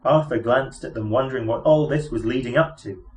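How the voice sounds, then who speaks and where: A man's voice: mid-range voice, fairly quick. A man reading a novel aloud as scripted storybook narration. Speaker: audiobook narrator.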